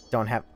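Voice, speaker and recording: A man streaming a game, telling a story in a rambling, profane, casual way. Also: fairly bright tone. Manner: rambling, profane, laid-back.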